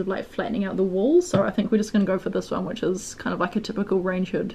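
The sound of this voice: At a fairly quick pace, a woman speaks with a medium pitch, a slightly mellow tone and ordinary pitch variation.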